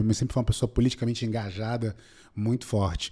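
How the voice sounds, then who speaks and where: A man's dark, mellow voice with a Rio de Janeiro accent and ordinary pitch variation, on a very clean recording with a silent background. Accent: carioca. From Rio de Janeiro, Brazil. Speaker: entrepreneur and speaker. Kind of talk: interview.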